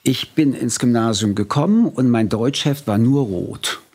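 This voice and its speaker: A man's voice: mid-range voice, measured pace, slightly rough. A man in his sixties whose first language is French, talking emphatically in a studio conversation. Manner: emphatic, expressive, gestures a lot. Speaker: interviewer. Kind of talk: reflective conversation. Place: small studio at a table. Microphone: studio mic on an arm.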